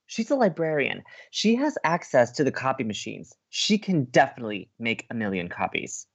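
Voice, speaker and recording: An earnest, dramatic young male campus radio host, played by a man in a romantic comedy audio drama. His delivery is very animated and emphatic, easily indignant. The sound is a little muffled. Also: a little high. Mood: insistent, agitated.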